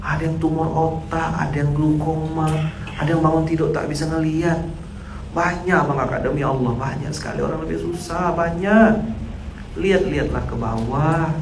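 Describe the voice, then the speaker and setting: Animated preacher in a roomy hall. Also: male voice, normal speed, noisy background. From Indonesia. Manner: animated, jumps to loud high outbursts when acting out others; clears throat often. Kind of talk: casual sermon to a congregation. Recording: roomy hall with faint ambience.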